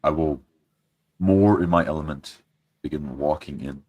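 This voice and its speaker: A man's voice: rumbling low, measured pace, a little mellow. A man playing a tabletop roleplaying game, narrating his character's actions as he improvises.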